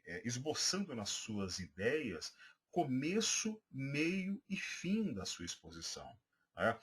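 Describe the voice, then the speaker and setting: A Brazilian Portuguese-accented pastor, recorded teaching church members how to preach, speaks at medium pitch in a slightly rough, somewhat bright voice. He addresses everyone as brothers and stumbles through lots of fillers and restarts.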